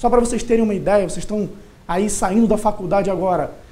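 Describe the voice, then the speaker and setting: A man with a high pitch speaks amid audible room echo. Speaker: law professor. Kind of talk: lecture. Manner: animated.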